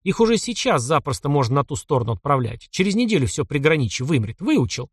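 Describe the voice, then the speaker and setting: Exasperated young officer, read by a man, grumbling and weary, with a lively rise and fall in his voice. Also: fairly high pitch, quick pace, slightly rough, no room sound, clean studio sound. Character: young male officer, exasperated reluctant grandson.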